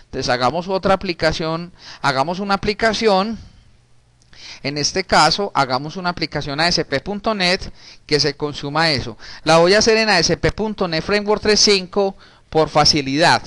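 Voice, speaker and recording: Male instructor, 30s, easygoing classroom delivery, slightly high voice, clean dry close sound. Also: a bit bright, clean tone, no echo. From Colombia. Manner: casual, talks while typing, frequent restarts and diminutives. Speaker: programming teacher. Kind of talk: recorded screen-share coding lesson.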